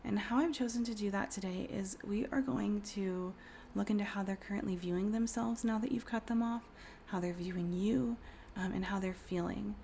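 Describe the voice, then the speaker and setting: Hoarse woman in her 30s, gravelly, mellow-toned, soft whispery delivery, casual tarot reader, faint background hiss. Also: medium pitch, fairly even intonation, normal speed. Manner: soft, often whispery, rambling with fillers. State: hoarse from a cold. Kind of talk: casual pick-a-card tarot reading.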